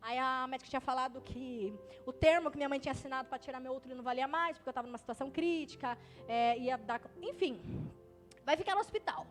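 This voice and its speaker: Young pregnant woman preaching her testimony, hushed then fervent, high voice, soft music behind. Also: fast talker. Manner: swings from hushed retelling to loud fervent preaching. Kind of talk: testimony sermon. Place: church.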